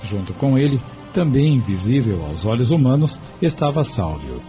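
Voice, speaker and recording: A man narrating a spiritist radio drama in a measured, solemn reading. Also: mid-range voice, sing-song. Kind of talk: scripted audiobook narration. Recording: dull lo-fi radio recording. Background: music.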